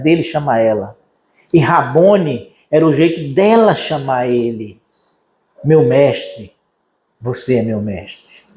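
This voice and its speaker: A man with a Brazilian Portuguese accent preaching a sermon as pastor, animated and acting out the voices of the people in his story. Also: fairly high pitch, roomy sound, rough recording. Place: church.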